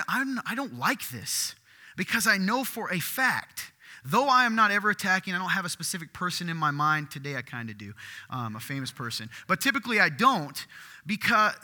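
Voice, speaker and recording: Male pastor, deeper voice, gets worked up, very bright tone, slightly high pitch for a man. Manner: excitable, conversational, asks the crowd questions. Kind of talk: sermon. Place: church hall with congregation. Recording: long hall reverb.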